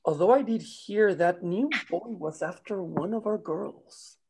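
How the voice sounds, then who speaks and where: A man playing an unbothered small-town mayor in a script table read, casual, evasive and deadpan. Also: high voice, measured pace, gravelly, breathy edge, exaggerated voice. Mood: dry.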